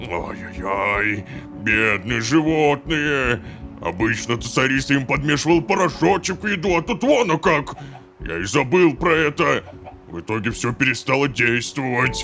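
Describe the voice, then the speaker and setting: Doing a put-on character voice at a medium pitch, a man speaks at a moderate pace with clear music in the background. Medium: machinima. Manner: warm, chatty.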